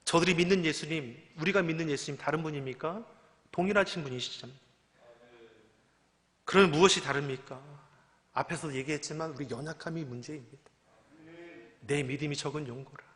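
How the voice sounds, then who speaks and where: Male pastor, bright forceful voice, preaches with pointed rhetorical questions; long church reverb. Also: fairly high pitch, a little fast, long pauses. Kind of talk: sermon. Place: church sanctuary.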